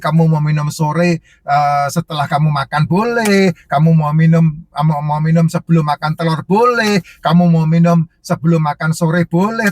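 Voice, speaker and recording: A man who sells herbal drinks, answering viewer questions in casual, emphatic, repetitive advice that lists point after point. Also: fairly high pitch.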